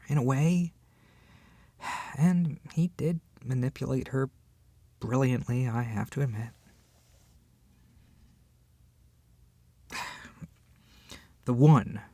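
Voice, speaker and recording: A voice actor playing an irritated book club member ranting in a one-sided roleplay, exasperated and sarcastic with dramatic pauses. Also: medium pitch, a little mellow, breathy edge, dry recording. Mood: bitter, grudging.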